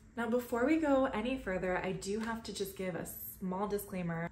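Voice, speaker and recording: With an American accent, a woman speaks at a moderate pace and a medium pitch, with ordinary pitch variation. The room echo is audible, and there is noticeable background noise. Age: 40s. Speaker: licensed counselor and video creator. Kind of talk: personal story vlog.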